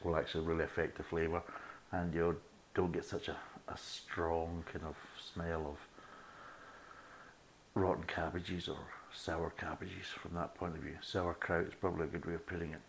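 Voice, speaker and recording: A man's voice: deep voice, little pitch movement, moderate pace, gravelly, slight background noise. A middle-aged Scottish man hosting a beer review podcast, chatty and swearing freely as he talks. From Scotland. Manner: chatty, swears freely, laughs at own jokes. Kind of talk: casual chat.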